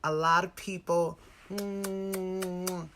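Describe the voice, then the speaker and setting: A woman's voice: on the low side, level tone, drawn-out words, fairly bright tone, slight background noise. A woman in her forties with an American accent, hosting a casual, motivational live stream in a conversational, emphatic way, often repeating phrases for stress. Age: 40s. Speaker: spiritual lifestyle live-stream host.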